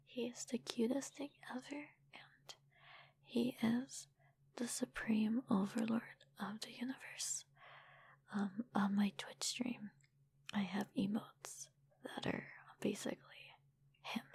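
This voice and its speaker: A woman chatting casually in a soft, breathy ASMR whisper, informal and rambling, close to the microphone. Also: medium pitch. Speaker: ASMR creator and streamer answering viewer comments.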